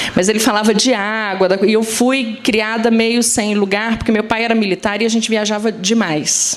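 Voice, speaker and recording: A woman with a fairly high pitch speaks at a moderate pace with hardly any pauses, her intonation monotone and flat and her loudness very even, over noticeable background noise and audible room echo. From northern Brazil. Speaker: photographer. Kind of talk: talk to an audience.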